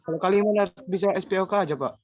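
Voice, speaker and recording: A student answering the teacher quickly and insistently. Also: mid-range voice, a little mellow, no room sound, lo-fi sound. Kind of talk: classroom answers.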